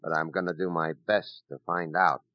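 An actor playing a hard-boiled police detective who also narrates, in a 1940s-style radio drama, clipped and wry. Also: male voice, low voice, fairly even intonation, normal speed, heavy background noise, lightly acted. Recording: muffled old radio recording.

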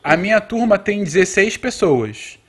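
A young Brazilian man chatting casually as a podcast guest. He hesitates often, restarts his sentences and leans on fillers, with a voice sitting a touch high for a man. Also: big pitch swings, unhurried, slightly rough. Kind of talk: casual chat.

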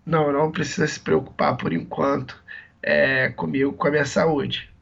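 A man, hoarse from a cold, co-hosting a podcast in casual, rambling chat with many restarts. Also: a little high, fairly even intonation, moderate pace, fairly bright tone, highs cut off. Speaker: podcast co-host.

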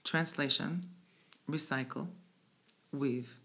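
A woman's voice: very deep voice, steady tone, slow pace, fairly bright tone. A woman guest from the United States, a native speaker of English and Hebrew, talking reflectively in a conversational interview. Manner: reflective, searching, with restarts.

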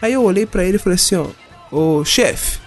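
A young Brazilian man, high-voiced and brisk with lively intonation, shares a casual anecdote peppered with slang and swearing, voicing the other people in it. There's soft music in the background.

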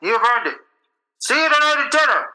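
An actor playing a brisk, genial senior board member in radio comedy. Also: male voice, very high-pitched, animated, sharp tone, heavily acted, poor audio. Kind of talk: old-time radio comedy acting.

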